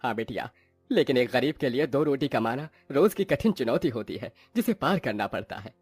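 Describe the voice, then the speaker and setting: A poor middle-aged farmer father in a cartoon, husky and meek. His pitch swings around expressively. The voice sits at a middling pitch. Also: animated, normal speed, no echo, faint music behind. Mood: weary. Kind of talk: cartoon voice acting.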